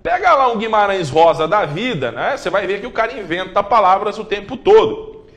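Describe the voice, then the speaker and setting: Male tv teacher, high bright voice, playful and coaxing, lots of "ok?" check-ins. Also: very animated, fairly quick, lo-fi sound. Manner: playful, coaxing, with pet names for students; repeats checks like "ok?" and "beleza?". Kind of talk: televised exam-prep lesson.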